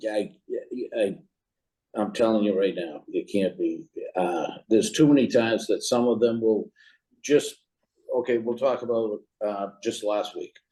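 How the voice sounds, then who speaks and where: A man speaks with a Boston accent at a moderate pace. He takes long, frequent pauses. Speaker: firefighter foundation director. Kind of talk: Q&A answer in webinar. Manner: halting, many fillers.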